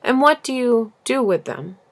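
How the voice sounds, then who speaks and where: A woman voicing a serious, curious small boy in a storybook, asking simply and thoughtfully with gentle persistence. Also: on the high side, expressive, moderate pace, creaky, pitched above the performer's own voice. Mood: earnest, questioning. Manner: earnest questioning, simple and thoughtful. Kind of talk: storybook character reading.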